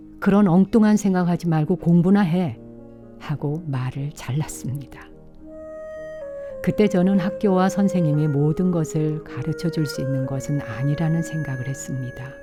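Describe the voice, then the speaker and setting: Over music in the background, a woman with a very deep, low pitch speaks at a fairly slow pace with ordinary pitch variation. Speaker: Buddhist monk, author. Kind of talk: reading from own essay book. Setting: studio.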